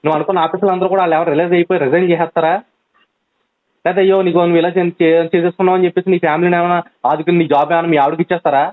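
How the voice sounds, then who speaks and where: A man's voice: on the high side, level tone, rapid-fire. A man on a phone call, urgently pleading and reasoning with a friend, with many restarts. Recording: tinny phone line recording.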